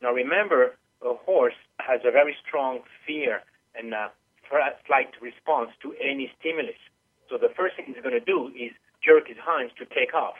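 A man's voice: medium pitch, normal speed. Patient man explaining over a tinny phone line. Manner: patient, explanatory, with frequent uh fillers. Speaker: guest animal massage teacher. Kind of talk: casual radio interview. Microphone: phone call.

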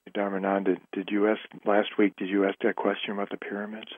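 Guy with lowish raspy voice, casual chat, phone quality. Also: monotone, fast, no room sound. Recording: muffled phone line.

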